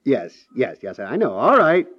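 A man's voice: mid-range voice, huge pitch swings, moderate pace, husky, no echo. An American man acting a polite, reasonable, dryly frank house planner in a 1950s radio comedy. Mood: businesslike. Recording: dull 1950s radio recording.

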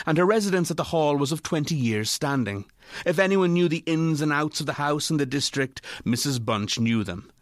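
Measured male narrator, dry close recording. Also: on the high side, no room sound. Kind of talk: scripted literary ghost story narration.

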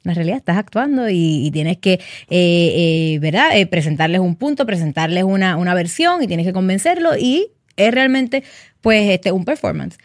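A woman's voice: fairly low pitch, expressive, moderate pace, no echo, clean studio sound. A woman from Puerto Rico with a Puerto Rican Spanish accent, talking as a lawyer in an interview in a chatty way, slipping English words into her Spanish. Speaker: criminal defense lawyer. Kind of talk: interview guest, casual conversation.

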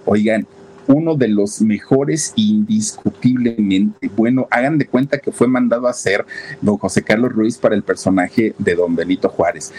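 A man telling a story in a casual, animated way, talking straight to his listeners. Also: lowish voice, moderate pace, slightly rough. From Mexico. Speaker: storyteller host.

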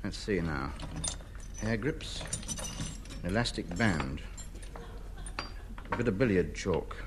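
An actor in a 1950s radio comedy playing a fussy, pompous man who hoards junk. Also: fairly low pitch. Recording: old radio recording, noisy.

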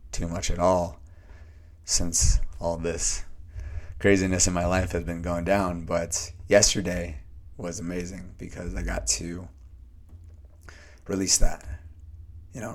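A man hosting a solo podcast, talking earnestly and a little hoarsely, often restarting his sentences. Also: low-pitched, flat delivery, measured pace, pauses often. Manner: earnest, searching, with many restarts and fillers. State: slightly hoarse. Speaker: podcast host. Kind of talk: reflective solo podcast monologue.

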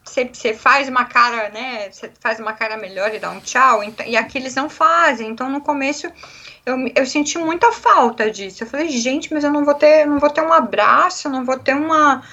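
A woman's voice: high voice, a little fast, bright, forceful tone. A young adult woman from Brazil with a Brazilian Portuguese accent, chatting animatedly in an interview and acting out little quotes as she talks. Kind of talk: casual conversational interview.

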